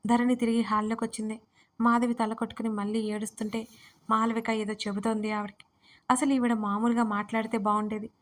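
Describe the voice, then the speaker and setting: A woman narrates a romance audio story with a steady, even delivery. Her voice sits somewhat high. She keeps the melody flat, with little rise and fall. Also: a little fast.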